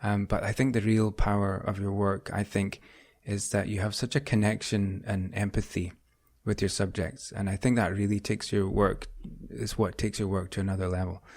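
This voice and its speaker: A man's voice: fairly low pitch, flat delivery, normal speed, hardly any pauses, darkish tone, dry recording. A man hosting a podcast, enthusiastic, with fillers and some hesitation. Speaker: podcast host. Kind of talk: podcast intro and interviewing.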